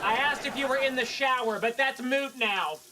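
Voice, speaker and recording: A man's voice: extremely high pitch, moderate pace, bright, forceful tone, exaggerated voice. An actor playing a pedantic, fussy young man in a sitcom, with precise, pompous, literal phrasing. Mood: urgent, pedantic. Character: pedantic, smug, fussy young male know-it-all. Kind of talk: sitcom acting.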